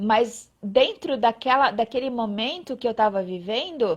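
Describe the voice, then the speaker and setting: A woman with a high pitch and lively intonation speaks against a quiet background. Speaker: pharmacist and coach. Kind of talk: live interview. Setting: online live stream.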